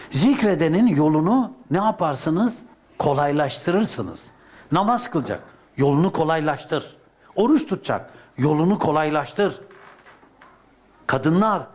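An older man from Turkey, a Sufi sheikh, giving a sermon with emphatic preaching that rises sharply in pitch. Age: middle-aged or older.

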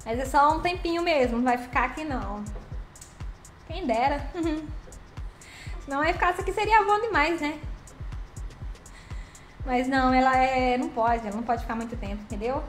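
A woman chats through a live stream, greeting each viewer by name and calling them her loves. Her voice sits high and bright. It rings in a roomy space with faint music underneath. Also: normal speed, long pauses. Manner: chatty and affectionate, calls viewers by name and pet names.

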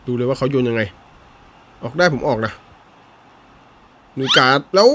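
A man giving casual, excitable commentary while playing a football video game, swinging between low mutters and high yelps and swearing at the game. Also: measured pace, background noise. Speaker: gaming YouTuber.

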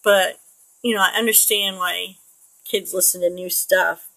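A woman's voice: lowish voice, fairly even intonation, a little slow, vocal fry, bright, forceful tone, no echo, rough recording. A woman in her late forties, chatting casually and rambling with frequent laughs while she paints digitally. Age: 40s. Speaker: digital artist.

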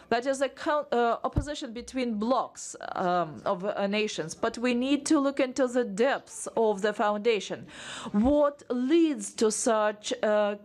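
A woman giving simultaneous interpretation of a panel discussion, halting often with filler pauses and restarts as she keeps up with the speakers. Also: fairly high pitch. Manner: halting, many filler pauses and restarts while rendering speech. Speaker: conference interpreter.

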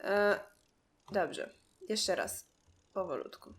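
A Polish woman commentating her own gameplay, reacting loudly and yelling at the game characters. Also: mid-range voice, expressive, extremely slow. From Poland. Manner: exclaims and shouts at the game. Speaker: gameplay streamer. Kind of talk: excited gaming commentary.

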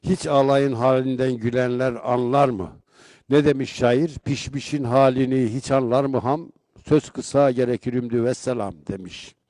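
A middle-aged man hosts a local call-in style show, his voice warm and dark. He is recorded close and dry, and he moves from easy chat into pointed rhetorical questions. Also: medium pitch, fairly even intonation, moderate pace, no room sound. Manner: conversational, turning rhetorical and emphatic when he comments. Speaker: local broadcast host reading viewer comments. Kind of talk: casual live-show commentary.

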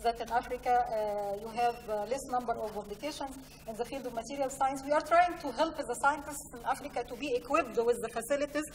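Higher-voiced Egyptian woman presenting in echoey hall. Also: fairly quick. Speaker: conference speaker, science programme representative. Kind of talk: conference presentation with slides. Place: large conference hall, indoors. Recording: echoey hall, distant mic, faint noise.

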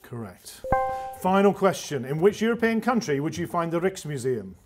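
A man's voice: on the high side, very animated, normal speed, soft background music. A man playing an upbeat TV quiz show host, presenting and commentating with suspense and emphatic delivery. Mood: suspenseful. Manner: builds suspense, counts down emphatically.

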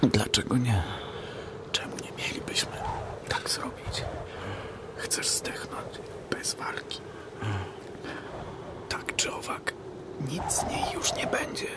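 An actor playing a ruthless, pragmatic starving survivor in a radio play, dramatic and often hushed. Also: male voice, medium pitch, big pitch swings, takes it slowly, pauses often, whispered. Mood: conspiratorial, cold. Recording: noisy radio drama recording.

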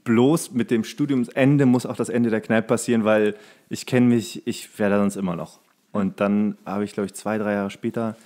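A man's voice: lowish voice, steady tone, normal speed, darkish tone. Young man chatting in rambling, joking style. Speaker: podcast co-host. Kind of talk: casual banter, storytelling.

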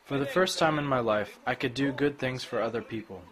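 A man in his forties with a Croatian accent speaks slowly and plainly, telling his own story in short, candid sentences. He sits under a roof in an outdoor courtyard, picked up by a camera mic at a medium distance. A group of listeners murmurs behind him. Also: medium pitch, crowd noise. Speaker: speaker giving a personal testimony. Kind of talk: personal testimony to a group.

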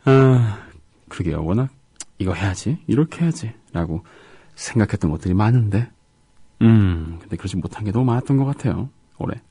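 This radio co-host speaks softly and haltingly, leaving gaps as he chats and reads out listener comments. He has a lowish, husky, animated voice, recorded without echo.

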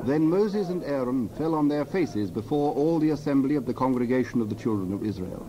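A man's voice: medium pitch, lively intonation, brisk, dull audio, crowd noise. A man narrating a dramatized scripture reading.

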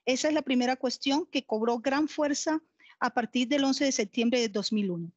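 A woman's voice: sits high, no echo, lo-fi sound. A woman in her forties with a Colombian accent, reading a formal academic lecture over a headset on a video call. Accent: Colombian Spanish. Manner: measured, formal, reading aloud. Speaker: conference speaker. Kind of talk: academic lecture read from text. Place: home office, video call.

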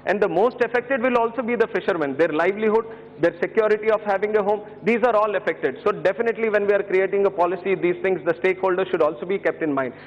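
An Indian English-accented man in his thirties makes a pleading case before parliament, his voice sitting high for a man. He hesitates often and keeps calling the chair "sir". The sound carries a long chamber reverb and dull broadcast audio. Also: fast. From Andhra Pradesh, India. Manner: earnest and pleading, many hesitations and "sir" addresses, gesturing. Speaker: member of parliament. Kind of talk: parliamentary speech. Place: large parliament chamber, indoors. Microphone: fixed desk microphone.

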